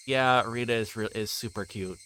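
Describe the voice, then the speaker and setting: A man's voice: mid-range voice, normal speed, a bit bright, slight background noise. A man livestreaming a visual novel, reading narration aloud with casual asides, often stumbling and rereading lines. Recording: music playing behind the voice.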